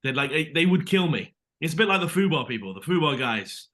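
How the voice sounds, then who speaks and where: A British man in his thirties chats as a podcast guest, spinning animated anecdotes. His voice is bright and forward, and he jumps into little acted-out quotes. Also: a little high, a little fast. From Britain. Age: 30s. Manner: animated storyteller, acts out quotes. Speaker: actor guest. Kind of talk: casual interview chat.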